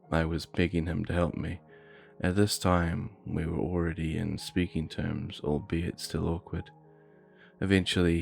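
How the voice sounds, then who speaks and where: Deep gravelly man narrating slowly. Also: darkish tone. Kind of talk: scripted horror story narration.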